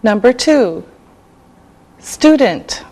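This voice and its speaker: A middle-aged woman from Canada teaching English in a scripted lesson, pronouncing every word slowly and carefully. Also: on the high side, sing-song, darkish tone. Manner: slow, carefully enunciated.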